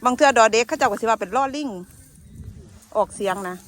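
A woman's voice: a little high, fast talker. A woman with an Isan Thai accent, chatting casually outdoors in the rice fields and laughing often. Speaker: vlogger.

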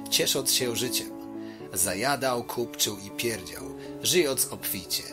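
Man telling a rhyming tale over music. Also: mid-range voice. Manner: theatrical storyteller delivery. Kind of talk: dramatic rhyming storybook narration. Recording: music under the voice.

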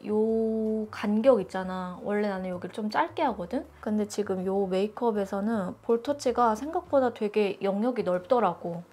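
A woman's voice: medium pitch, moderate pace, few pauses, mellow, faint music behind. A woman hosting a makeup tutorial, explaining each step in a chatty, informal way. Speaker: beauty YouTuber.

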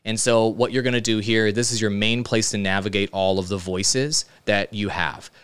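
A man's voice: fairly low pitch, steady tone, normal speed, fairly bright tone, clean tone. A man, giving casual, emphatic step-by-step instruction as a tutorial host, checking in with listeners. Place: indoor studio with computer.

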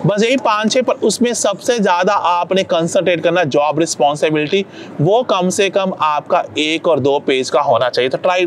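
A middle-aged man talks fast and eagerly to camera, full of advice, his voice sitting fairly high. He is outdoors on a lapel mic, with faint city noise and traffic behind him. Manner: fast, energetic, chatty with slips. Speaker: vlogger, career advisor.

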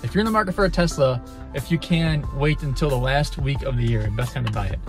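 A young man narrates a road trip vlog from inside a car. He talks in a casual, upbeat way, explaining details to his viewers. His voice sits at a middle pitch, with clear background music under it. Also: quick pace. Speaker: vlogger.

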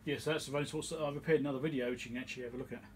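A man's voice: mid-range voice, steady tone, rapid-fire, a little hiss or hum. A man giving a casual, hesitant workbench demonstration, rambling in an understated way in a home workshop. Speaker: electronics repair video host. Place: home electronics workshop, indoors.

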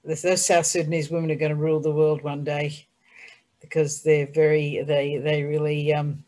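A woman's voice: sits low, little pitch movement, moderate pace, a little mellow. An older woman chatting as a panelist on a video call, trailing off with ums as she passes the floor to others. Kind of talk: panel discussion. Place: small room indoors.

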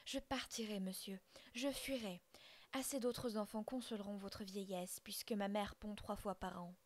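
A woman's voice: a little high, steady tone, moderate pace, darkish tone, lightly acted. A woman voicing a young white blackbird daughter in a whispered role-play, pleading and wounded. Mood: defiant. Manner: pleading, then rebellious.

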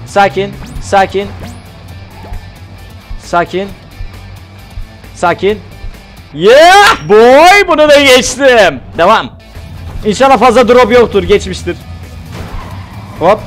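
A man streaming a game live, excitable and talkative, yelping and shouting at the action while chatting to viewers. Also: high voice. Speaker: gaming streamer.

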